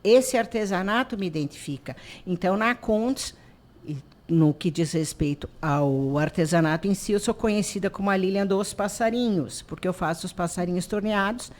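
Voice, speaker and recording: A woman, president of an artisan association, telling animated stories in a radio interview and acting out quoted dialogue. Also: on the low side, moderate pace. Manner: animated storyteller who acts out quoted dialogue.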